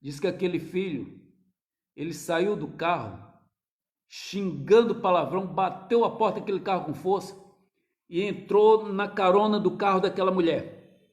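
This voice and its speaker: A male pastor preaching an impassioned sermon, addressing the congregation as brothers and swinging between loud cries and hushed tones. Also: high voice, moderate pace. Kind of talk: fervent sermon.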